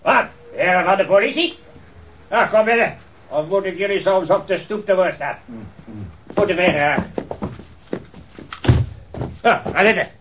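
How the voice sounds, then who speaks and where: An actor playing a jovial, talkative, hard-of-hearing old retired colonel who rambles heartily in a radio drama. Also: male voice, sits high, a little slow, long pauses, fairly bright tone, a little hiss or hum. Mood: hearty, sociable. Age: older. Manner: rambling, hearty, with repeated affirmations and chuckles.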